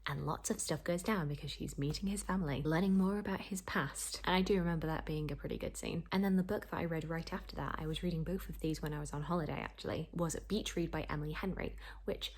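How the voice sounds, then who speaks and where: A woman's voice: deep voice, fast talker, a little mellow, slightly rough. A young woman chatting casually to camera as a book vlogger, in a rambling, self-deprecating way.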